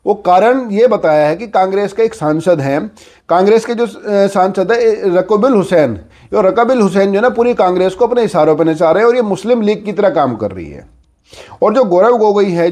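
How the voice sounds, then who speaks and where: Male news commentator, high voice, informal explainer delivery peppered with verbal fillers. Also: darkish tone. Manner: conversational explainer with repeated filler phrases.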